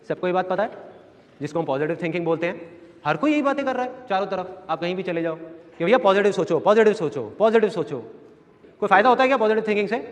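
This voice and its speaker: High-voiced man lecturing a hall. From India. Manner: lively storytelling with acted voices. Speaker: motivational speaker. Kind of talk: live seminar talk. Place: large hall with an audience. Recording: echoey hall with audience.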